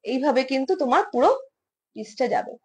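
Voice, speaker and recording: A woman's voice: high voice, animated, quick pace, darkish tone, husky, rough recording. A woman showing jewellery pieces in a casual, chatty way, repeating phrases and mixing English words into her talk. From India. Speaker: jewellery seller. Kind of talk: casual live product showcase.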